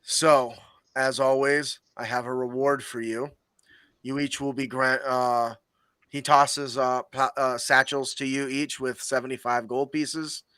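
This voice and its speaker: A man running a tabletop game as game master, narrating casually with many fillers and pauses. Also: mid-range voice, flat delivery, pushed and bright, clean tone, no room sound.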